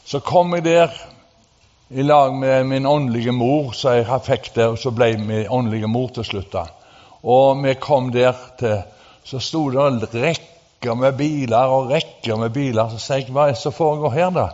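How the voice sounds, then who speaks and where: A man preaching, telling a personal testimony in a halting, then fervent and animated way. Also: mid-range voice. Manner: animated, rising to fervent emphasis; halting with fillers and restarts. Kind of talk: sermon testimony storytelling. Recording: dull sound with long hall reverb.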